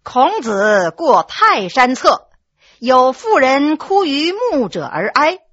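A woman storyteller voicing a male scholar who chants classical text slowly and explains things patiently. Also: high-pitched, very animated, fairly bright tone, no echo, muffled recording, exaggerated voice. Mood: chanting.

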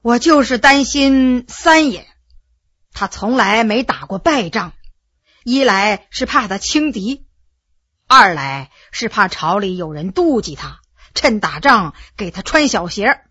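A woman voicing an elderly, stroke-stricken Qing official who speaks in a quiet, lowered voice and gives measured, frank advice. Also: sing-song, slightly rough, no echo, highs cut off, exaggerated voice. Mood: earnest. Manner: measured, advising.

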